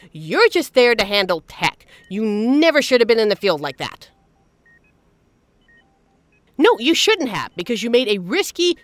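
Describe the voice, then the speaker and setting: A woman's voice: fairly high pitch, fairly bright tone, dry recording. A woman playing a fiercely protective secret agent in an emotional, emphatic dramatic audio roleplay. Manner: emotional, scolding, emphatic, swearing. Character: normally suave female secret agent, fiercely protective, angry and anguished. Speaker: voice actor in a scripted audio roleplay.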